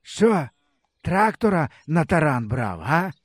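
A man's voice: fairly high pitch, sing-song, takes it slowly, no echo, clean studio sound, heavily acted. A man voicing a grumpy old village grandfather who scolds and twists words in an audiobook reading. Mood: mocking. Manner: grumbling, scolding rant. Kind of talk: audiobook character voice.

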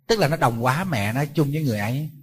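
A man's voice: medium pitch, lively intonation, very fast, slightly rough. A man, a Buddhist monk giving a sermon, telling stories in a conversational way and throwing rhetorical questions at his listeners.

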